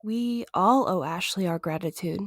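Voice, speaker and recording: A woman acting in an audio drama as a gentle, caring, earnest young woman, polite and tentative. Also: lowish voice, normal speed, dry recording, studio quality. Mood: sympathetic.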